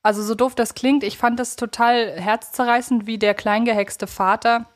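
A woman's voice: fairly high pitch, steady tone, normal speed. A woman co-hosting a podcast, talking casually and analytically in an articulate, reflective way, thinking aloud as she goes. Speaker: podcast co-host.

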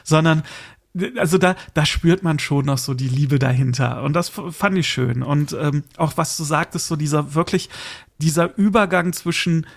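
A man with a fairly high voice and heavy creak talks as a podcast host in a casual chat. He sounds enthusiastic and often stops to rephrase as he goes. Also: moderate pace. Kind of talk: casual chat about audio dramas.

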